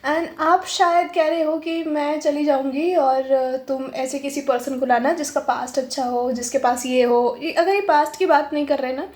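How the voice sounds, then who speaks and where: A woman's voice: high voice, fairly even intonation, moderate pace, few pauses, a little mellow. A woman giving a pick-a-pile tarot reading. She switches between Hindi and English and keeps adding "ठीक है". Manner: mixes Hindi and English, often adds "ठीक है". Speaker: tarot reader. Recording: roomy echo.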